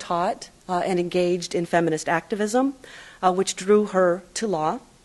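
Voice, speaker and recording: A woman talks at a moderate pace and a medium pitch, with ordinary pitch variation. It is an unremarkable speaking voice. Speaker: event host introducing speaker. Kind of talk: formal introduction. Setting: stage with audience at university.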